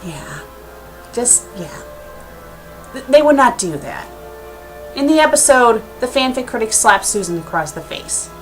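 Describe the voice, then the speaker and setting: A woman's voice: fairly high pitch, big pitch swings, unhurried, pauses often, music in the background, poor audio. A woman giving a casual video message as an online critic, speaking in an emphatic, indignant way. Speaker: online fan fiction critic.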